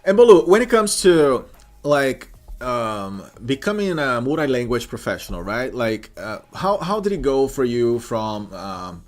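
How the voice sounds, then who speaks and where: A man's voice: mid-range voice, big pitch swings, a little slow. A man hosting a podcast interview, asking long friendly questions with many "uh"s and restarts. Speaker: podcast host.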